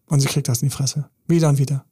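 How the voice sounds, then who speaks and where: A man's voice: medium pitch, fairly even intonation, fast talker, dark tone, husky. A man, a relationship coach giving an emphatic, intense podcast monologue full of repetition.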